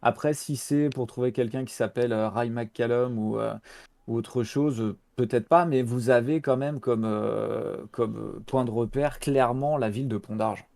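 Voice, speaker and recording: A man narrates a tabletop game as its game master. His voice is gravelly and dark in tone. He explains haltingly, full of fillers and restarts. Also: medium pitch, steady tone. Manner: hesitant, many fillers and restarts while explaining.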